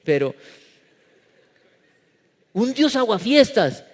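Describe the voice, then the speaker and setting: A man's voice: extremely high pitch, sing-song, drawn-out words, slightly rough. A man preaching a sermon as pastor, joking with the congregation and putting rhetorical questions to them. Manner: humorous, mimics people in funny voices. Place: church sanctuary. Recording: long reverb of a church hall.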